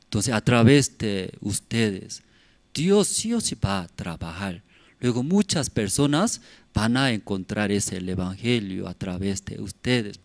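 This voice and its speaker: A man's voice: fairly low pitch, no room sound. A male pastor, preaching a sermon in short phrases that he asks and answers himself. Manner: asks and answers his own questions, acts out sounds. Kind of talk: prayer service sermon. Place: church.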